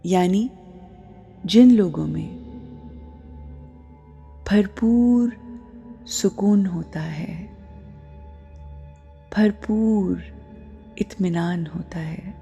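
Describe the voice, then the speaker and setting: A woman guiding a spiritual meditation in a calm, deliberate manner, with short phrases, long pauses and soft, breathy phrase endings. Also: on the low side. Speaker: guided meditation teacher. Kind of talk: slow spoken guided meditation with spiritual reflections. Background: meditation music.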